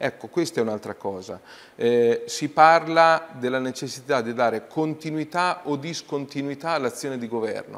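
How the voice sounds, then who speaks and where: This is an unremarkable speaking voice, a man's, fairly high in pitch. He goes at a moderate pace with ordinary pitch variation. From central Italy, Fano (Marche); Marche, Italy. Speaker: mayoral candidate; candidate. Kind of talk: interview. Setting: studio. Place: studio. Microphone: lapel.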